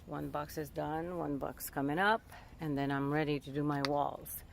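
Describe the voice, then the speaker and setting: Her deep voice stays level at a normal speed, with vocal fry and slight background noise. A Montreal native speaking with a Québécois French accent, she chats casually in a van-build vlog, often searching for the right word and rephrasing; French is her first language.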